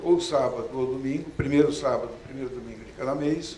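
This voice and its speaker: Over light background noise and audible room echo, a man talks at a moderate pace in a fairly high pitch. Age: 60s. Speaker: journalist, torture survivor giving testimony; witness. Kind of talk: testimony. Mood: serious, measured. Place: meeting room. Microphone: podium.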